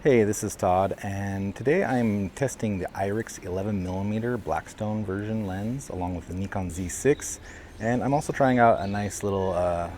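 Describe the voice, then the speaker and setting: A man's voice: fairly low pitch, moderate pace, noisy background. A man chatting casually through a walk-and-talk vlog outdoors on city streets, a little out of breath, rambling with fillers and amused laughs, recorded on a lavalier mic. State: slightly out of breath from walking. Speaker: vlogger. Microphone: lavalier mic while walking.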